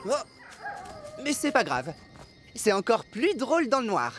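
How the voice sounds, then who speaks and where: A woman's voice: a little high, very animated, unhurried. A woman voicing a cheerful, easygoing girl in a French cartoon dub, breezy and upbeat. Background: music.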